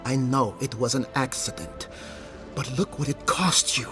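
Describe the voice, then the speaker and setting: A man's voice: mid-range voice, unhurried, over music, close to an everyday voice. A man playing an officious, cautious governor in a fantasy video game, formal and condescending. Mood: stern, concerned. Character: officious, cautious male governor, haughty but protective. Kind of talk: video game character acting.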